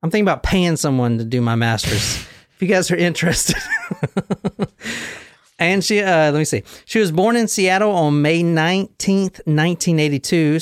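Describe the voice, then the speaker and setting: A man's voice: fairly high pitch, clean tone, no room sound, clean studio sound. A man in his thirties hosting a casual true crime podcast, telling the case in a rambling, joking way with self-deprecating asides. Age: 30s. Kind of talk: casual chat.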